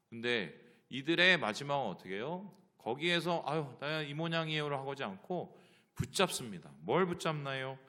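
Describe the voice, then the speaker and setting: A man's voice: medium pitch, pushed and bright. A male pastor preaching a sermon, asking the congregation rhetorical questions.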